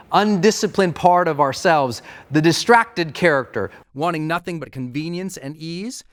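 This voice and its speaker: Guy w a highish voice doing an earnest motivational speech read, very dry sound. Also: clean tone, no room sound. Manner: earnest, declamatory oratory. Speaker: narrator. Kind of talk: scripted motivational reading.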